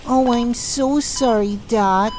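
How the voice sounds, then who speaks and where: A woman's voice: a little high, takes it slowly, darkish tone, a little hiss or hum. A woman playing a pleading, tender-hearted hospital colleague in an amateur audio drama. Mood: sorrowful.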